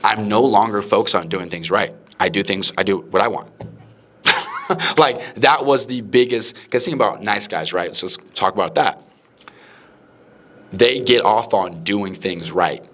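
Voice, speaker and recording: Low bright-voiced young man. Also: normal speed. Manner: animated, acts out quoted people in raised voices. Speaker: podcast host. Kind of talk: casual podcast chat.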